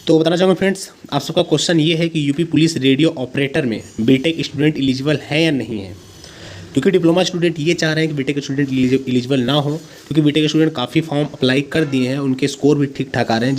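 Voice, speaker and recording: Male explainer host, medium pitch, informal and emphatic, drops in English words while addressing students. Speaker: host of a job-notification video channel.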